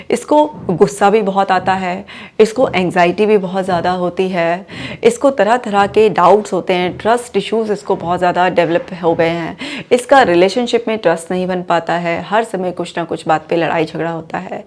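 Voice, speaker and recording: A woman psychologist with an Indian accent explaining a topic calmly through a case example, mixing Hindi and English words. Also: medium pitch. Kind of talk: explanatory talk on mental health.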